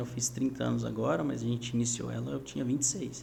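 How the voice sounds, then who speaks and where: A man is speaking here. Noticeable background noise and audible room echo surround his voice. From Brazil, Goiás (Jataí). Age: 30s. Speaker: business owner. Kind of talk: podcast interview. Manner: hesitant, many fillers.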